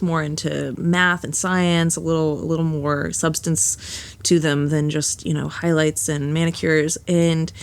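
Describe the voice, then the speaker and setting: A young woman telling a candid personal story as a podcast guest, animated and laughing often, with lots of filler words. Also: deep voice.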